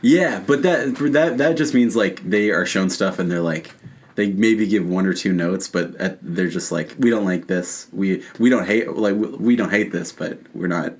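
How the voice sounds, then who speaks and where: Male co-host, lowish pitch, informal explainer style, casual pop-culture chat. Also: moderate pace. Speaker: podcast co-host.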